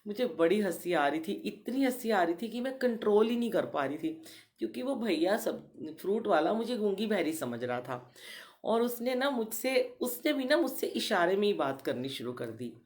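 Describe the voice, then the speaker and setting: A middle-aged woman giving a gentle devotional talk to her congregation, telling personal stories. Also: mid-range voice, sing-song, normal speed. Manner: gentle storytelling, addresses listeners as "sangat ji". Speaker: spiritual speaker addressing congregation.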